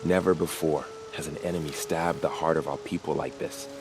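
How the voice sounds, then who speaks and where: A man playing an earnest, battle-weary young tribal warrior in a video game, solemn and deliberate. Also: very deep voice, steady tone, over music. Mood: somber. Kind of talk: video game cutscene acting.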